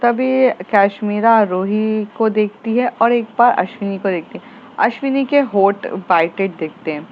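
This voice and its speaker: A woman's voice: medium pitch, unhurried, highs cut off, a little hiss or hum. A woman casually narrating a romance story with chatty fillers.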